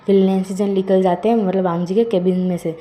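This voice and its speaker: A woman's voice: medium pitch, little pitch movement, fast, mellow, slight background noise. Rambling woman telling a story. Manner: rambling, heavy filler words. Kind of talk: casual fan-fiction storytelling.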